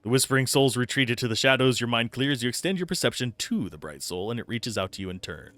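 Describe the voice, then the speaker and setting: A man's voice: medium pitch, expressive, quick pace, a bit bright. A man streaming a game, giving live commentary and reading game text aloud into a close microphone. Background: faint game music.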